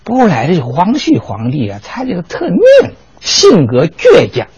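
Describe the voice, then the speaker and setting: Husky, lively male history storyteller. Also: high-pitched, unhurried, no echo. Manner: lively, colloquial, dramatic asides. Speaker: history lecturer. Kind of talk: storytelling lecture.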